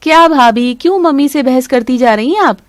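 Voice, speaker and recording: A woman voicing a spoiled, demanding young sister-in-law in an animated story, talking in a whiny, pouting way. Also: high-pitched, fairly quick, no room sound. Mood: pouty.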